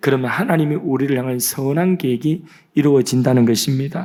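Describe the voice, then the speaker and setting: A dark, mellow man's voice at medium pitch, with ordinary pitch variation and a fairly quick pace. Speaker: senior pastor. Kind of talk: sermon. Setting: church.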